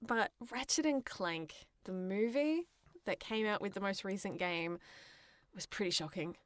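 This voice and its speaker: A woman's voice: medium pitch, unhurried, no echo, clean studio sound. A woman co-hosting a podcast, giving her opinions in casual, emphatic conversation. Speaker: podcast co-host.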